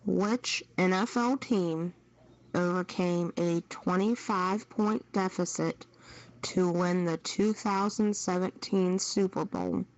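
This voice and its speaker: A woman's voice: fairly low pitch, slow. A woman hosting a quiz, reading out questions in an unscripted way over a muffled radio chat channel. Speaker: trivia quiz host.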